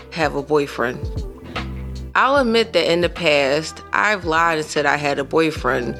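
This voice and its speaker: A woman in her thirties hosting a podcast, telling a personal story in a casual, animated way with emphatic asides to her listeners. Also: low-pitched. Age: 30s. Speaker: podcast host.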